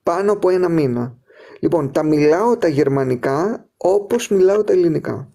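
A man chatting casually as a live stream host, talking in quick, lively bursts. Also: a little high, creaky. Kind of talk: casual chat.

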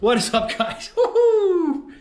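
A man, excitedly talking to viewers while exploring an empty abandoned house on an action camera. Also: very high voice, slow pace. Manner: excitable, keeps calling out to viewers. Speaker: urban explorer vlogger. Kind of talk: casual exploring vlog to camera. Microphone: handheld action camera.

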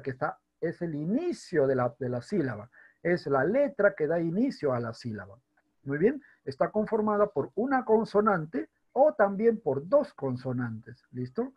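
Male teacher, husky, fairly high voice; recorded lesson, keeps asking if you're following; dull lo-fi sound. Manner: checks in often with rhetorical questions; spells out words slowly by syllable. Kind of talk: recorded online grammar lesson.

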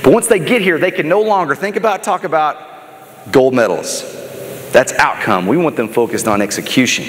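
A man's voice: a little high, expressive, moderate pace. A middle-aged American man giving a motivational keynote, telling stories in an emphatic, dramatic and conversational way. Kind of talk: animated stage storytelling. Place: large stage in an auditorium, indoors. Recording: echoey hall, noticeable background noise.

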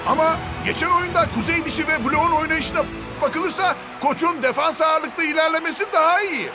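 An eager cartoon co-commentator with a very high voice. He adds quick analytical remarks on the match with loud music behind him.

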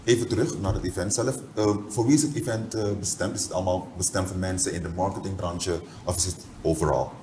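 A man's voice: deep voice, quick pace, hardly any pauses, darkish tone, a little hiss or hum. A young adult man with a Surinamese accent, interviewing guests conversationally as a television host. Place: TV studio, seated at desk.

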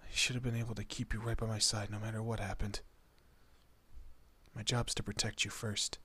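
A man playing a fiercely protective monster in a horror roleplay, with a husky, breathy voice and an intense, deliberate manner. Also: fairly low pitch, little pitch movement, sharp tone. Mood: remorseful, tender. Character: protective male monster, menacing to foes, tender to his human. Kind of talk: dramatic horror roleplay audio.

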